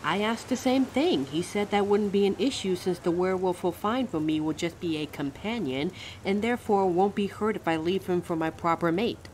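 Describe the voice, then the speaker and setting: A lowish-pitched female werewolf of almost thirty, acted by a woman for an audio drama. She is sarcastic and anxious, with faint ambient noise behind her. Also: normal speed, hardly any pauses, darkish tone, lightly acted, poor audio. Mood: downcast.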